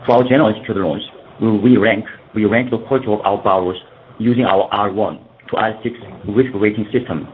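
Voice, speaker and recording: A man in the role of a company executive, formally reading prepared earnings call remarks and sometimes stumbling over his words. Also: on the low side. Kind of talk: scripted earnings call presentation. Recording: dull lo-fi conference call, faint noise.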